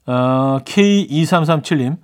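A man's voice: a little high, expressive, measured pace. A middle-aged man hosting a radio music show in a chatty, casual way, reading listener messages and joking about them. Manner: chatty, reads listener messages and plays up reactions.

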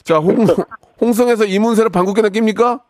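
A male radio host running a call-in segment, teasing callers with quick deadpan verdicts. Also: high voice, no room sound, studio quality. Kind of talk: lively radio call-in banter. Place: radio studio. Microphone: studio microphone.

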